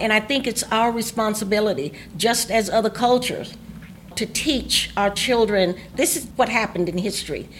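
There is noticeable background noise as a woman speaks in a Texan accent. Her fairly high voice has ordinary pitch variation. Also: moderate pace. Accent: Texan Southern US. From Texas, small town. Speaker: professor. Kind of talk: casual interview.

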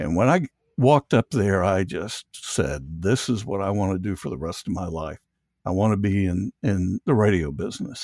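This man has a plain, everyday voice, fairly low in pitch, with lively intonation at a moderate pace on a very clean recording with a silent background. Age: 60s. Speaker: guest from a creative problem solving program. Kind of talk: casual interview.

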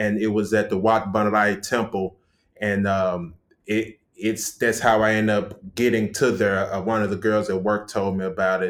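At a moderate pace, a man with a Memphis accent talks in a fairly low pitch. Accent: Southern US (Memphis). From US South, Memphis, Tennessee. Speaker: travel photographer. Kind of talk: interview.

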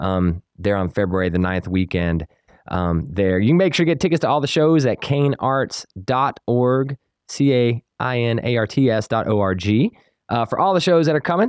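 Speaking with a North Carolina accent, a man at medium pitch makes very wide pitch swings in a dry, close sound with no echo. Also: moderate pace. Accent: Southern US, North Carolina. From North Carolina Piedmont. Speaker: radio host. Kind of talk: casual interview.

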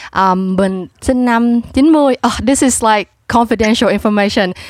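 At a very slow pace, a woman with fairly high pitch and ordinary pitch variation speaks in a dry, close sound with no echo over noticeable background noise. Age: 30s. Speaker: podcast host. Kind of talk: casual interview chat.

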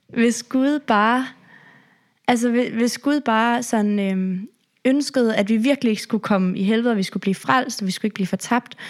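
A woman with a fairly high pitch uses an ordinary speaking voice, speaking at a moderate pace with ordinary pitch variation. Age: 20s. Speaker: podcast co-host. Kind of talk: casual chat.

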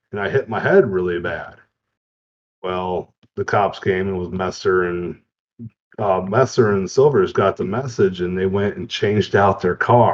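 Using an unremarkable speaking voice, a man talks fairly slowly with a fairly low pitch and ordinary pitch variation. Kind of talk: casual chat.

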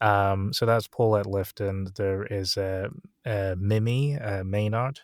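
A man speaks with a British accent, his pitch fairly low. His intonation stays fairly even throughout. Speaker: voice actor and animator. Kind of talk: interview. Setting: video call.

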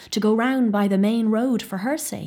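A woman's voice sounds dark, mellow and somewhat breathy, with a dramatic tone. The recording is very clean, with a silent background. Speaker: actor performing a story. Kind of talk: ghost story telling: hushed, eerie, dramatic narration of a Victorian tale. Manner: slow, measured and suspenseful, with a hushed, ominous tone and theatrical pauses; formal, period-style storytelling with dramatic emphasis.

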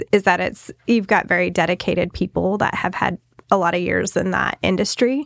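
With a West Coast accent, a woman speaks at a moderate pace in a medium pitch, her intonation fairly even and the sound dry and close with no echo. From Salem, Oregon. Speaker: community volunteer. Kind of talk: casual interview.

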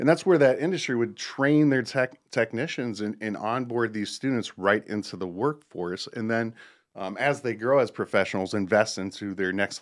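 With an American accent and a fairly low pitch, a man speaks at a moderate pace with ordinary pitch variation and hardly any pauses, in a very clean recording with a silent background. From US Midwest. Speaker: high school teacher. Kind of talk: radio interview. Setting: studio.

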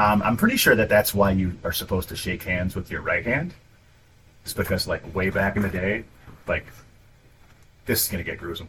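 A man talks at a fairly quick clip. He stops often, and his pauses run long. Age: 40s. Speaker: podcast co-host. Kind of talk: casual chat.

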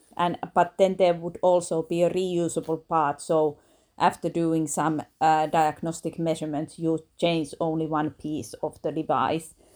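Fairly slow, monotone and flat speech from a woman with a fairly low pitch, on a very clean recording with a silent background. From Finland. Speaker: research scientist. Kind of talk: interview. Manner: hesitant, many fillers.

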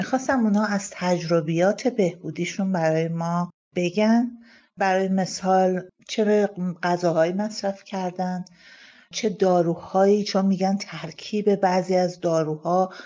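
Medium in pitch, a woman speaks in a normal speaking voice. She goes at a fairly slow pace with fairly even intonation. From Iran. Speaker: listener. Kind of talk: voice message question.

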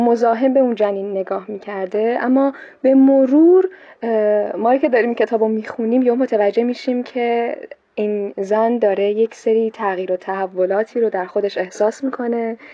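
A plain, everyday voice from a woman, fairly high in pitch. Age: 20s. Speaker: book presenter, photographer. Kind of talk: casual interview, book review. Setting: phone call.

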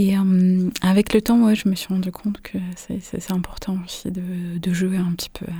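Over noticeable background noise, a woman with a medium-pitched voice talks at a fairly slow pace in a flat monotone, hardly pausing. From Belarus. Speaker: novelist. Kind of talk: interview. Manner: halting.

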